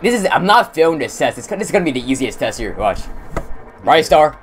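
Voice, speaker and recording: A young man casually commentating on a game stream, using slang and talking excitedly to his chat. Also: on the high side, fairly quick. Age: young adult. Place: indoor room at streaming setup.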